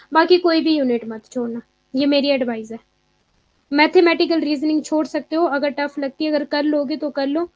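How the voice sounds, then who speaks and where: A woman's voice: high voice, darkish tone, no room sound. A young woman teaching a live online exam class in a chatty way, mixing in English terms and answering students' comments as she goes.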